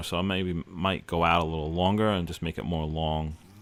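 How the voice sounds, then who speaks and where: The man's voice is very deep and low. He keeps to a moderate pace. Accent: New York. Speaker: gaming video creator. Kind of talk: gameplay tutorial commentary. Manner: casual, halting with many fillers.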